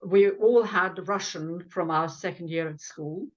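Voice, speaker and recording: A woman's voice: lowish voice, unhurried, lo-fi sound. An older woman, originally from Lithuania with Lithuanian as her first language, talks as an author and guest in an earnest, explanatory way with the occasional wry aside. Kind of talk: conversational explanation.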